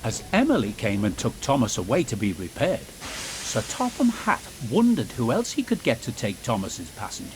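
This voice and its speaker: A man's voice: medium pitch, huge pitch swings, normal speed, background noise. A man narrating a scripted children's story as a storyteller.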